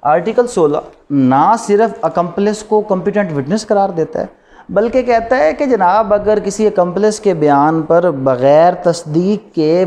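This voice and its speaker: Male lecturer, Pakistani accent, fairly high voice, unhurried pace, didactic, repetitive, rhetorical questions. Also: warm tone. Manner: didactic, repeats points and asks rhetorical questions. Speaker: law lecturer. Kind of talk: classroom lecture mixing Urdu with English legal terms.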